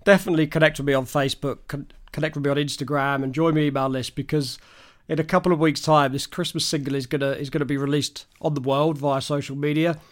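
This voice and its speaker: A man hosting a podcast, his voice slightly croaky, talking in a chatty, upbeat way. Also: a little high, little pitch movement, fast talker. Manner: chatty, upbeat, friendly promotional. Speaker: podcast host. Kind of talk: casual solo wrap-up talk.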